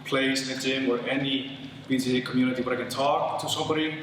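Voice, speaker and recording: A man doing stand-up for the first time, animated, putting on excited voices for his jokes. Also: mid-range voice, quick pace. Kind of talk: stand-up set. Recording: echoey hall, distant mic, noise.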